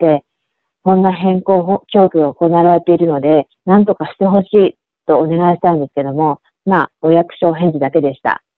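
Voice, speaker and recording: A woman with an ordinary speaking voice talks at a fairly low pitch, showing ordinary pitch variation. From Japan, Toyama. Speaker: political supporter. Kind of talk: radio talk.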